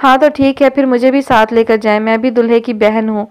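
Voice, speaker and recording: A woman's voice: on the high side, steady tone, darkish tone, clear, resonant tone, close to an everyday voice. A woman reading the lines of a cheeky, teasing young woman in an audio novel.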